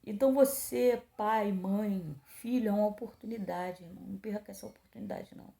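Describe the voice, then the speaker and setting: A woman's voice: medium pitch, a little fast, gravelly, dark tone. A middle-aged woman pastor giving a personal testimony, telling the story with emotion and acting out the dialogue. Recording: roomy echo.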